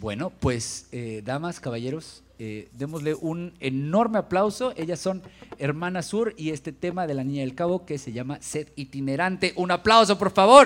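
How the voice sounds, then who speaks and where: Speaking at a moderate pace with hardly any pauses, a man uses a fairly high pitch, lively intonation, an animated tone and big swings in loudness. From Mexico City. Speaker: podcast host. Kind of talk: live music show hosting. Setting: venue with live audience.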